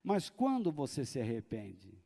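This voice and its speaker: Slow-preaching man in a reverberant church hall. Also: medium pitch, wildly swooping pitch, gravelly. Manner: slow, deliberate preaching with sudden shouted dramatizations. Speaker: pastor. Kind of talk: sermon.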